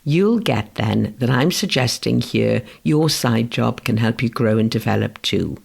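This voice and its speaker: A man from Wales whose first language is Welsh, giving a scripted lesson on freelance writing in a measured, gentle way. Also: medium pitch, vocal fry, husky. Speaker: writing course instructor. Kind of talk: scripted educational narration.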